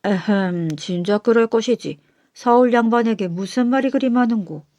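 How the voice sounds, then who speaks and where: A woman's voice: fairly high pitch, moderate pace, warm tone, no echo, close to an everyday voice. A woman voicing a proud male nobleman in a storybook folktale, haughty and scolding. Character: arrogant male Seoul nobleman, pompous then groveling.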